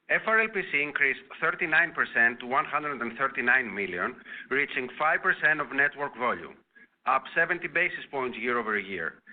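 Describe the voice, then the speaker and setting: Male finance executive for an earnings call: formal, measured scripted delivery, medium pitch, tinny phone-line audio. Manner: formal, measured reading of figures.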